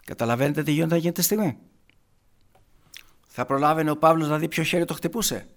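A man preaching a sermon, retelling a Bible passage with frequent rhetorical questions. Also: on the high side. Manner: retells scripture with constant "he says", rhetorical questions.

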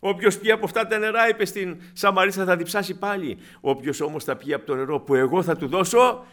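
A man preaching a sermon to his congregation, animated, swinging between loud exclamations and hushed asides, calling them dear brothers. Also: high voice. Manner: acts out quoted scripture and people in his own voice.

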